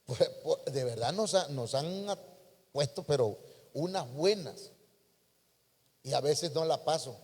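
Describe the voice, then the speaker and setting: A man's voice: on the high side, animated, unhurried, pauses often, a little mellow, husky. A man preaching a folksy sermon, calling listeners brother. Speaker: pastor. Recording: long hall reverb.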